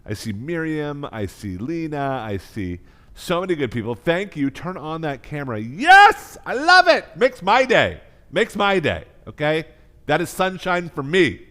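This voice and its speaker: A man's voice: fairly high pitch, very animated, a little slow, fairly bright tone. Effusive American male cooking instructor. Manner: effusive, enthusiastic, emphatic. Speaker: chef instructor and host. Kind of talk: live online cooking class. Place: kitchen.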